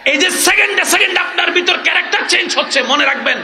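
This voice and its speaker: A man preaching a waz sermon at a large gathering. He shouts to the crowd and calls for responses, then drops to soft, close tones. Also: very high-pitched, lively intonation, fast. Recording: echoey PA sound with loud crowd noise.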